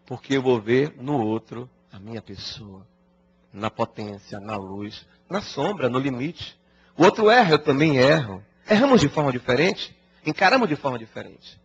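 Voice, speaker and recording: A man giving a storytelling lecture, animated and colloquial with touches of humor, recorded as dull lo-fi broadcast audio. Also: mid-range voice, normal speed, slightly rough. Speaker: spiritist lecturer.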